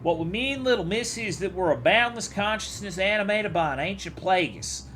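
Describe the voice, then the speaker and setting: A man voicing an ancient tentacled plant monster, a male soul collector who talks with a slow, put-on cowboy drawl. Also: high-pitched, lively intonation, a bit bright, slight background noise, voice pushed up. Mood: grandiose.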